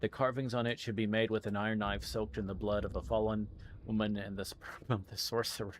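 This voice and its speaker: A man's voice: on the low side, little pitch movement, a little fast, a little hiss or hum. A man giving casual gameplay commentary and reading aloud, muttering to himself with dry, offhand asides. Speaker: game streamer. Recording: music behind the voice.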